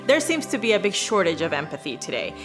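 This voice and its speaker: A woman's voice: fairly low pitch, sing-song, quick pace. A woman from Venezuela, giving an earnest, upbeat prepared statement as an award recipient. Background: background music.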